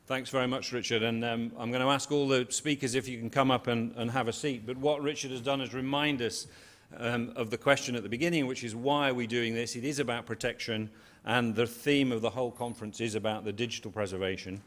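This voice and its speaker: A man's voice: mid-range voice, steady tone, a little fast, a bit bright. A man moderating a conference panel in a chatty, informal way. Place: conference hall.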